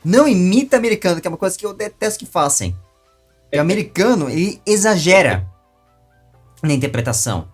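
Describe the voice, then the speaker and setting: Faint music sits under the husky voice of a Brazilian interviewer giving long, casual remarks. He talks fast and very animatedly at a high pitch, his phrasing halting before surging into emphasis.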